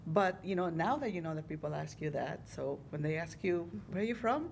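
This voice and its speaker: A woman's voice: deep voice, a little fast, creaky, darkish tone, a little hiss or hum. A middle-aged woman from Guatemala, speaking reflectively and encouragingly in a group discussion. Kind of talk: casual discussion.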